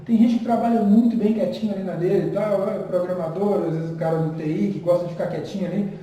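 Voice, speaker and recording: A man speaks in a relaxed, earnest and encouraging way, as a guest teacher in an easygoing chat. His voice is high for a man and mellow. He sits back from the mic in a roomy, echoing space with faint noise underneath. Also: quick pace. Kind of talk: casual conversation. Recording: echoey room, distant mic, faint noise.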